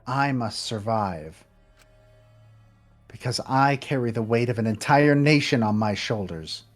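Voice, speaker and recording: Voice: medium pitch, animated, a little slow, soft background music. A formal, solemn young maid, read by a streamer. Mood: resolute. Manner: formal, solemn, stiff diction. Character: composed young maid, woman, desperate to survive. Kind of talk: dramatic reading of game dialogue.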